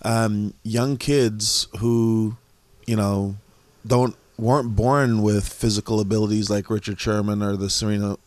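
Relaxed Jamaican-born man, dry close sound. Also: on the low side, dry recording. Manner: relaxed, with frequent "um" pauses. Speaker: museum founder, guest. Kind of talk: casual conversation.

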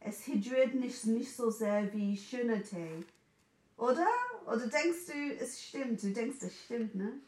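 English woman in her 40s, german chat, highish voice, kinda far off in a roomy space. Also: a little slow. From England. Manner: animated, mixes in English words, acts out quoted voices. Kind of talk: casual chat. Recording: echoey room, a bit off mic.

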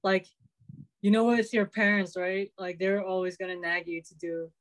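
A woman's voice: mid-range voice, steady tone, moderate pace, low-quality recording. A woman in her twenties in casual, laid-back, wry conversation. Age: 20s. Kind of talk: casual chat on a video call.

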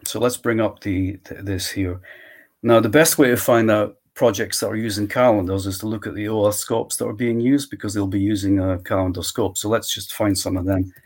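A man walking through his software tool in a live screen-share demo, thinking aloud step by step. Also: lowish voice, steady tone, a little fast. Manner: walks through steps aloud, thinking as he goes.

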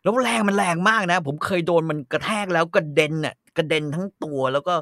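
A man hosting a podcast, reading a story aloud and chatting about it, animated with casual swearing. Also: a little high, fast, dry recording, studio quality. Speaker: podcast host.

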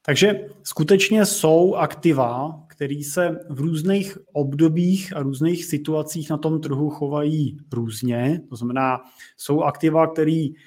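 A man's voice: on the high side, darkish tone. A man hosting a podcast, explaining investments in a casual way with many fillers. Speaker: podcast host.

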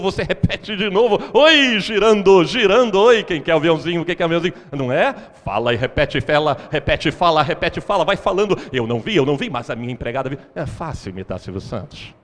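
Homem, pregador, sermão animado, voz um tanto aguda, eco de salão. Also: male voice, a little high. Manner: animated, asks the congregation questions. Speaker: preacher. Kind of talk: sermon. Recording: hall reverb.

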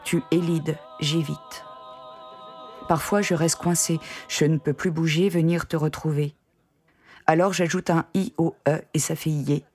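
A woman narrating her own poetry in a measured, lyrical spoken-word delivery. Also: low voice, fairly even intonation, a little mellow, breathy edge, faint music behind. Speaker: poet narrator.

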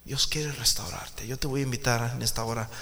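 A man preaching a sermon in a church, talking emphatically and swinging from soft, confiding talk to loud outbursts as he addresses the listener directly. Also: medium pitch, a little fast, a crowd in the background. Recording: long hall reverb with faint background noise.

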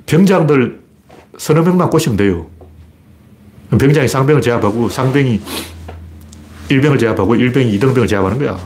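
A man delivers a solo commentary in a blunt, plain-spoken manner. His pitch moves in lively swings while he argues. There is a faint ambient hiss behind him. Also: a little fast, long pauses. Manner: blunt, colloquial, argumentative with rhetorical questions. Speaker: political commentator.

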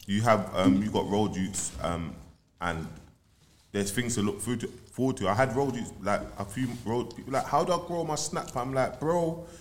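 A man's voice: on the low side, normal speed. A man with a London roadman accent, chatting casually in street slang and repeating phrases for emphasis.

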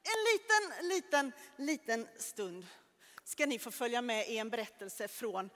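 A woman with a high, bright-sitting voice tells a Bible story to children, animated and dramatic. Her words ring out with a long reverb, as in a large church hall.

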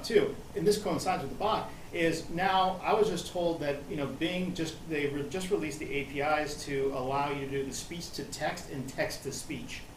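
Rambling host guy, higher voice, lots of "uh" and "right?", far from the mic in an echoey room. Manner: chatty, rambling with many fillers and asides. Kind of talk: casual panel talk. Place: studio room. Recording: roomy, distant and noisy.

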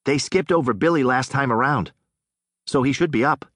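A man's voice: mid-range voice, normal speed, fairly bright tone, no echo, studio quality, pitched above the performer's own voice, natural voice. A man voicing an earnest twelve-year-old boy who is a statistics whiz.

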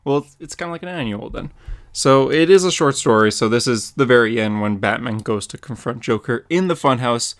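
A man's voice: medium pitch, fairly quick, fairly bright tone. A young man co-hosting a podcast, chatting casually and narrating comic book scenes.

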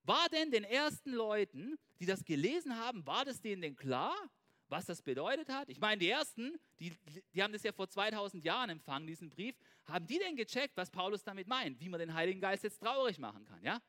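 A male preacher with a high, bright voice that swoops up and down as he talks. He preaches in a casual, animated way, turning to his listeners again and again with a quick question. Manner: animated, asks listeners "ja?" constantly. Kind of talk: informal sermon.

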